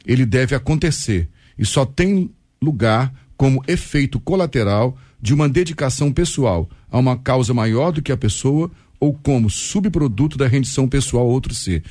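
A man in his fifties, a guest on a Christian discussion program, who speaks in a personal, warm way and quotes books. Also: medium pitch, lively intonation, moderate pace, hardly any pauses, no echo, clean studio sound. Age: 50s. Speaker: panel guest. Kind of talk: Christian radio discussion panel.

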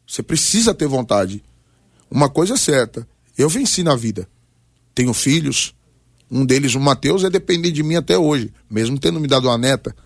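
Male, 40s, Brazilian pastor as debate guest. Gravelly creak, dry close sound, emphatic storytelling delivery. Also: medium pitch, very animated, moderate pace, no room sound. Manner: emphatic, preacherly, storytelling with short punchy phrases. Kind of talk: personal testimony and exhortation in a talk programme.

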